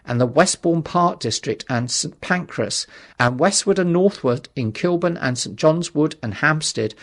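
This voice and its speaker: A man narrating a literary audiobook in a measured, dramatic storytelling manner. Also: on the high side, vocal fry.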